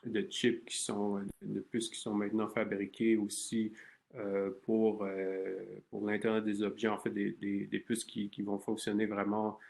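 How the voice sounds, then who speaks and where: A man from Canada in his thirties answers an interviewer's questions about his research. His voice sits low and gravelly, with a flat, even pitch. He talks hesitantly, stopping often to restart his sentences. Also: a little slow. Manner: hesitant, many fillers and restarts. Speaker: research scientist guest.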